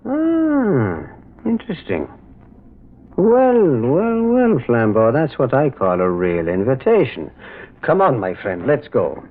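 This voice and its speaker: An actor playing a gentle, shrewd priest detective in an old-time radio mystery, wry and curious, musing in a hesitant, folksy way. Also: male voice, medium pitch, huge pitch swings, slow, heavily acted. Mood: intrigued. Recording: muffled old radio recording.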